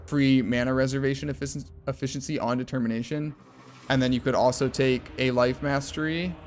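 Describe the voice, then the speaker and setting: Give me a tired, slightly hoarse young man talking through a game build in a casual, rambling way, at a middle pitch. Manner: rambling, filler-heavy explanation. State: tired, losing his voice. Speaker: game build guide creator. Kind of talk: casual game guide walkthrough. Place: home room at a computer.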